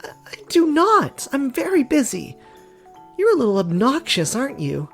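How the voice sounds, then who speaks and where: A woman's voice: high voice, huge pitch swings, normal speed, soft background music, heavily acted. A woman voicing an earnest young foreign woman in a story game, chatty, easily flustered and prone to stammering. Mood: flustered, indignant. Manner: stammering, indignant when teased. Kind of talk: dramatic character voice reading of a story game.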